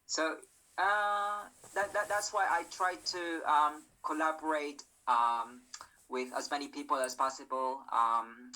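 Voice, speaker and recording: Bright-toned man, halting speech. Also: fairly high pitch, steady tone, low-quality recording. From Philippines. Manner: hesitant, many ums and repeated words. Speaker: mental health advocate and event host. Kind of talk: casual conversation.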